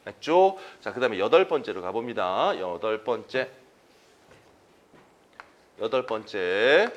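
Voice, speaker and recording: A man's voice: fairly low pitch, sing-song, slow, lo-fi sound. A man giving an exam-prep chemistry lecture, asking students questions and answering them himself, repeating key terms.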